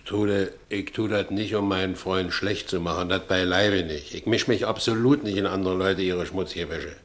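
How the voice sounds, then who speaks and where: Male actor as gullible Berlin ex-convict narrator for radio play; deepish voice, earthy Berlin accent, self-justifying. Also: normal speed, close to an everyday voice. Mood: righteous. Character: Franz Bieberkopf, gullible working-class Berlin ex-convict narrating his life.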